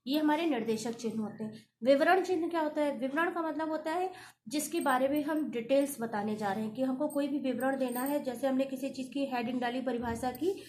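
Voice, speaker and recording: A woman teacher explaining a grammar lesson step by step, often pausing to ask her class if it is clear. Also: sits high, a little hiss or hum. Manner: explanatory, checks understanding often. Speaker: school teacher.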